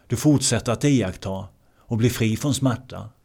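A man teaching meditation in a measured way, often repeating key words. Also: on the low side, gravelly, darkish tone. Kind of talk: translated meditation discourse.

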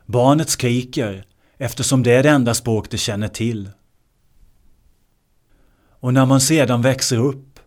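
A man teaching meditation in a measured way, often repeating key words. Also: medium pitch, a little mellow. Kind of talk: translated meditation discourse.

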